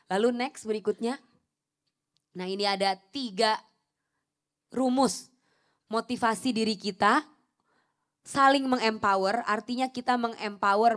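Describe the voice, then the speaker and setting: A woman psychologist giving a talk to young people in a Christian seminar, asking questions and answering them herself, often ending phrases softly. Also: mid-range voice. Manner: often ends phrases with "teman-teman" in a dropping, softer voice.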